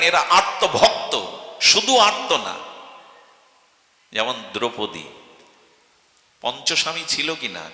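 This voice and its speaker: In a slightly high voice that sounds pushed and bright, a Bengali man gives a devotional sermon. Dramatic storytelling and rhetorical questions carry his message, and the hall around him echoes with long reverb.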